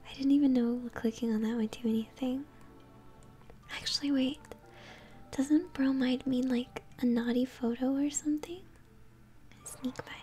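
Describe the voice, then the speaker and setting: A woman's voice: sits high, fairly even intonation, normal speed, long pauses, dark tone. A young woman whispers ASMR game commentary, chatting encouragingly to her viewers. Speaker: game streamer. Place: indoor room at home. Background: video game music.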